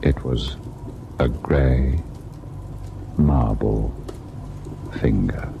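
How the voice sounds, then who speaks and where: An actor playing a haunted husband who tells and relives a ghost story in a grave, deliberate radio drama style. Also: male voice, very deep voice, creaky, highs cut off, full character voice. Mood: numb, grave. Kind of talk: old-time radio ghost story acting, narrating and in scene. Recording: noisy old radio drama recording.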